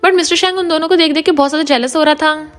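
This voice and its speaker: Fast, high-voiced woman recapping a drama. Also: steady tone, soft background music. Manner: brisk storytelling. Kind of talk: scripted drama recap narration.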